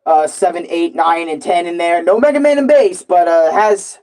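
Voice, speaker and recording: A man rambling casually and excitably on a live stream, full of slang and repeating himself. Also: sits high, moderate pace. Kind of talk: casual, rambling live stream chat about comics and games.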